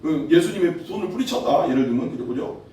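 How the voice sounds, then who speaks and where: A man's voice: a little high, expressive, fast talker, mellow, far from the mic, a little hiss or hum. Preaching man in an echoey hall. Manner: conversational preaching, asks the congregation questions. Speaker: pastor. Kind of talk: sermon. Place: church hall.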